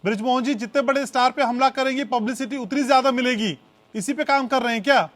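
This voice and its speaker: A male debate anchor with a very high, strained-sounding pitch. He presses and cuts in on his guests, hammering the same challenge again and again in a studio debate. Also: fast talker, fairly bright tone.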